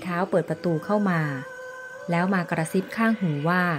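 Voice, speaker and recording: Music plays in the background. A woman talks at a medium pitch. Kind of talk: horror story narration.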